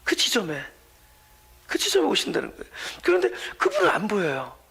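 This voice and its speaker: A pastor preaching a sermon, swinging between loud emphasis and soft near-whispers, and putting questions to the congregation before answering them. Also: mid-range voice, wildly swooping pitch, a little fast, creaky, slightly rough.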